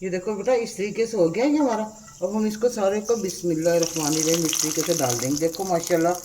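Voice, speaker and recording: बैठे गले वाली बुज़ुर्ग माँ जैसी औरत. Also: female voice, on the low side, quick pace, very noisy. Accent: Pakistani Urdu. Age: older. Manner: motherly, calls viewers "beta", repeats "theek hai". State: sore throat, strained voice. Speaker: cooking channel host. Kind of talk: home cooking tutorial. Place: home kitchen at the stove.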